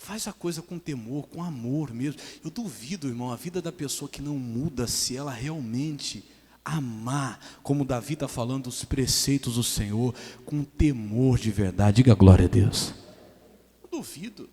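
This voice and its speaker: A man's voice: mid-range voice, normal speed, warm tone, husky, long reverb tail. A man preaching a sermon as pastor in a church, emphatic, calling for amens and mimicking his congregation.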